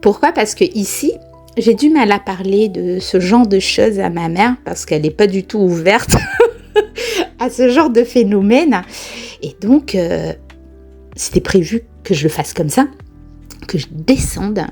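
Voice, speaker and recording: A woman vlogger telling a personal spiritual experience in a casual, lively way, often laughing and exclaiming. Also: medium pitch, unhurried, creaky, slightly rough, faint music behind. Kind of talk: casual first-person storytelling.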